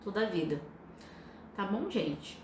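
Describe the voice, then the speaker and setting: A young adult woman teaching writing on a live stream, emphatic and lively, addressing her students directly. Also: medium pitch, a little slow. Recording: echoey room with faint hiss.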